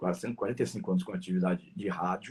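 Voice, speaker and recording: A man's voice with very wide pitch swings and vocal fry. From Brazil. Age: 60s. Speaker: retired sports radio commentator, live show host. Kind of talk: casual interview chat. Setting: live stream. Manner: hesitant, many fillers.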